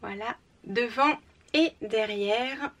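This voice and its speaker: A woman's voice: fairly high pitch, takes it slowly, fairly bright tone. A young woman chatting enthusiastically as she unboxes a book subscription box, with frequent fillers. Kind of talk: casual unboxing chat. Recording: slightly distant mic, faint room noise.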